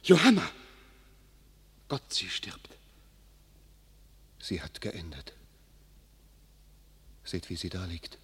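An actor playing a devoted, anxious comrade in a classic radio play, speaking with hushed emotion. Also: male voice, low voice, sing-song, slow, long pauses, slight background noise, exaggerated voice. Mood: grief-stricken. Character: devoted comrade anxiously watching over fallen heroine.

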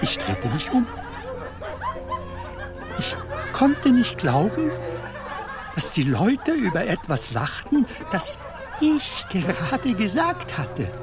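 An actor playing an elderly, wistful comedian telling stories in a theatrical radio drama manner, with dramatic pauses. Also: male voice, sits high, huge pitch swings, a crowd in the background, full character voice. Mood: earnest. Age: older. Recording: music under the voice.

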